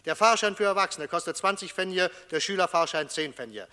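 A man's voice: sits high, expressive, brisk, bright, forceful tone. A man playing an officious public announcer, formally reciting regulations and bulletins in a radio drama. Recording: long hall reverb.

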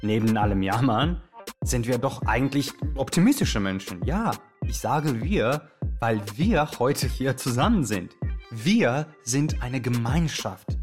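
An actor playing an excitable, euphoric Yugoslav male radio host with a theatrical, rambling way of moderating a live show. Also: mid-range voice, a little slow. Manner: theatrical, rambling, exuberant, switching from hushed to shouting. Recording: music behind the voice. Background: music.

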